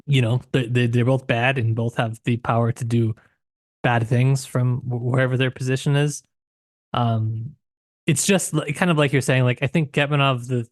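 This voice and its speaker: A man's voice: mid-range voice, dry recording, studio quality. A man co-hosting a podcast in casual book discussion, tentative, often circling back to rephrase as he thinks aloud. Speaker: podcast co-host.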